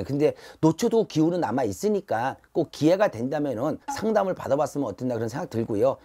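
Husky-voiced man giving earnest fortune advice. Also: a little high, mellow. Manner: earnest, advising, repetitive. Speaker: fortune teller. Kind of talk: fortune-telling talk to camera. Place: shrine room indoors. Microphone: lapel mic.

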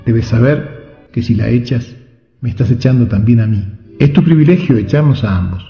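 A loyal storybook knight with a low, hushed, solemn delivery, as a male narrator reads him. His voice has a gravelly edge and echoes in a reverberant hall. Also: normal speed, soft background music, close to an everyday voice. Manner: calm, solemn, soft-spoken. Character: noble, steadfast young male knight. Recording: echoey, reverberant, slightly dull.

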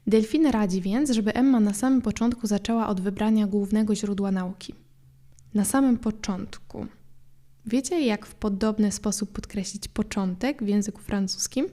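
A woman teaching a language lesson as a podcast host, explaining patiently and repeating words slowly for practice. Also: medium pitch, steady tone, mellow.

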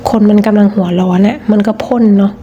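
A woman's voice: medium pitch, fairly even intonation, quick pace, dark tone, lo-fi sound. Chatty Thai-speaking woman reading tarot. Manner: chatty, repeats words and restarts often. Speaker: tarot reader. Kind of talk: casual tarot reading talk.

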